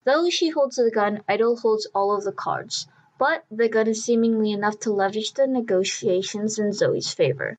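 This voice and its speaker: A woman's voice: mid-range voice, normal speed, a little mellow, rough recording. A woman reading scripted story narration for an audio drama.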